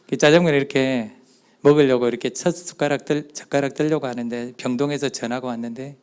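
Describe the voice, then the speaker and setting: Brief: middle-aged Gyeongsang-accented man, church elder, storytelling testimony, mid-pitched voice, acts out dialogue. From southeastern Korea. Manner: storytelling, acting out quoted dialogue; speaks in short spoken phrases. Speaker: church elder giving a talk at a youth retreat. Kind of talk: testimony talk.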